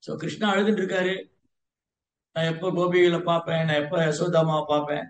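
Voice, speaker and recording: Man, devotional lecture, high voice, storytelling teacher, echoey room. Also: fairly even intonation, brisk. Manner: storytelling, mixing English words into Tamil. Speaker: Vaishnava teacher.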